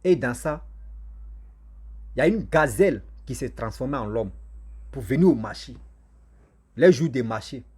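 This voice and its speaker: A man, whose first language is a local African language, telling a village legend to his viewers in a lively, repetitive style with frequent asides to them. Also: mid-range voice, a little slow, pauses often, breathy edge. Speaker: storyteller and channel host. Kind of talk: casual oral storytelling to viewers.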